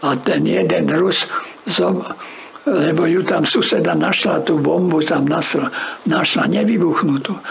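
A man at a fairly slow pace and very even loudness, with audible room echo and noticeable background noise. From Záhorie region, western Slovakia (Stupava). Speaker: former radio journalist and eyewitness. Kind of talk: oral history interview. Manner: halting, with many fillers.

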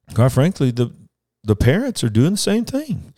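The speaker has a Southern US accent. The sound is dry and close, with no echo. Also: man. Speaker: pastor and podcast host. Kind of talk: podcast sermon teaching. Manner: animated, preacherly.

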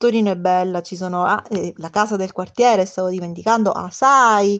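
A woman speaks in a normal speaking voice at a medium pitch. Her intonation stays fairly even over a quiet background. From Sicily. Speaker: university staff, volunteer. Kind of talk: interview testimony.

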